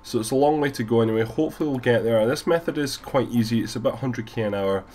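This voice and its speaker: A man with a deep voice and a cold, rambling casually through a gameplay voiceover with many fillers. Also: fast, darkish tone. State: has a cold, stuffy. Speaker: gaming YouTuber.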